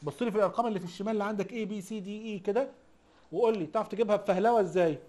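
Egyptian guy teaching a class, high voice, talks fast, jokey, keeps throwing questions at the students. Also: darkish tone. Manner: chatty, teasing, quizzes the class with rhetorical questions. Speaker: IT instructor. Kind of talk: casual recorded lesson.

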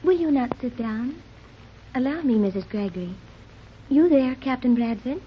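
A formal, oddly detached teenage girl raised on a strange island, in an old radio serial. Her voice is high and lively, her phrasing precise and proper. The recording is dull with a faint hiss. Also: moderate pace. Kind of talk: 1930s radio drama acting.

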